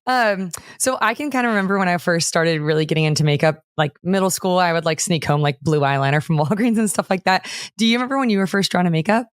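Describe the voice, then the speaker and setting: A young adult woman hosting a podcast interview, bubbly and quick to laugh. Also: lowish voice, clear, resonant tone, dry recording, clean studio sound. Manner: bubbly, laughs often, eager responses. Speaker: podcast host.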